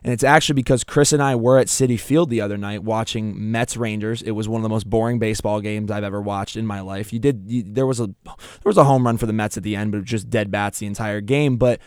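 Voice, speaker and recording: A young man hosts a sports talk show with a croaky, strained voice. The tone stays smooth and clear even through the hoarseness. The recording is close and dry, and he pushes ahead with energy. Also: on the low side, quick pace, no echo. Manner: energetic, talks through his points with restarts. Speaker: podcast host.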